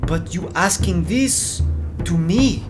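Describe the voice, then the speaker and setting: A man voicing a stately island priestess who speaks in slow, halting broken grammar. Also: high voice, animated, over music, voice pushed up. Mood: imperious.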